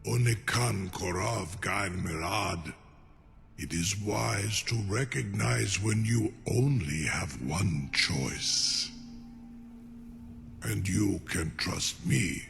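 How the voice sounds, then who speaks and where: A man playing a proud, cunning ancient dragon in a fantasy game, with a deep gravelly voice and a formal, imperious manner. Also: a bit bright, long reverb tail, soft background music, exaggerated voice. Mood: sly, bargaining. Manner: slow, deliberate, formal and imperious. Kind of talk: fantasy video game acting.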